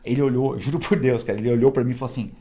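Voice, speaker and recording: A man, a guest telling stories in a casual, animated way and laughing between them. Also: mid-range voice, rapid-fire, slight background noise. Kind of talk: casual storytelling.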